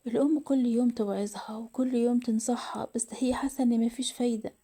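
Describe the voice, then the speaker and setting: A woman's voice: fairly high pitch, steady tone, fast talker, warm tone. A woman with an Egyptian accent narrating a moral family story, emotional and often half-whispered. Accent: Egyptian Arabic.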